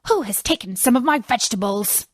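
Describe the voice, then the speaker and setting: A woman's voice: fairly high pitch, animated, a little fast, no room sound, studio quality. A woman voicing curious, easily astonished little dwarf men in a storybook fairy tale, with emphatic questioning and exclaiming. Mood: puzzled, indignant.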